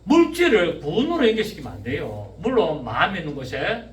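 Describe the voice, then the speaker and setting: A pastor in his fifties with a Gyeongsang accent, preaching a sermon, often shouting and firing questions at his congregation. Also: fairly high pitch, huge pitch swings, a little fast. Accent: Gyeongsang Korean. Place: church sanctuary. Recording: echoey church room, mic at a distance.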